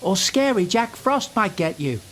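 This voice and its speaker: Man doing a cheeky young engine, teasing, raised pitch, lively swoops, storybook, faint noise. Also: unhurried, exaggerated voice, low-quality recording.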